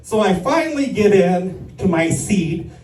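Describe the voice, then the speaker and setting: A man's voice: high-pitched, animated, a little slow, a little mellow. A man doing stand-up comedy in front of an audience, rambling through sardonic complaints. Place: live stand-up performance in an echoey room. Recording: echoey room, distant mic.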